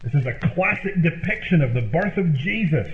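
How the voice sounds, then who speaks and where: A man with a high voice plays earnest, huffy radio comedy. The sound is thin and phone-like, with a roomy echo around him. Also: animated, fairly quick. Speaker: comedy show host performer. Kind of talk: scripted old-time radio comedy sketch. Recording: narrow tinny, roomy, faintly noisy radio sound.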